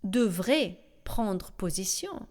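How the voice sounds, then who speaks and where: A woman voicing a panel discussion in a measured, deliberate way, with small hesitations. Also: medium pitch, lively intonation, a little mellow. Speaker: voice-over translator.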